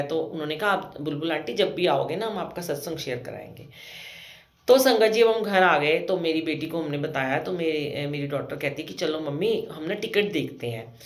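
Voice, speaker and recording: A woman, telling a devotional story about her own life in a chatty way, full of fillers and with her family's words acted out. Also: deep voice. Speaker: satsang storyteller. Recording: roomy echo.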